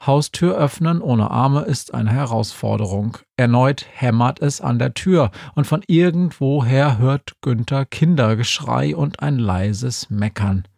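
A male audiobook narrator telling the story in a dry, matter-of-fact way. His voice is gravelly and husky, at a middle pitch. The recording is close and dead-dry. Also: measured pace, hardly any pauses, a little mellow, dry recording.

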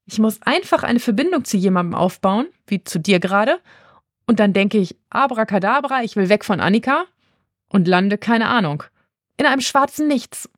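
A woman voicing a frightened young girl lost in the dark, anxious at first and then excited and chatty. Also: medium pitch, moderate pace, dry recording, clean studio sound, natural voice.

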